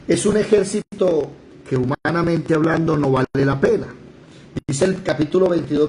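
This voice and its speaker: Lively man teaching scripture. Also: on the high side, a little hiss or hum, poor audio. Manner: lively, explanatory, often stops the reader to comment. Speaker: Bible teacher. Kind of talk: live Bible study lesson.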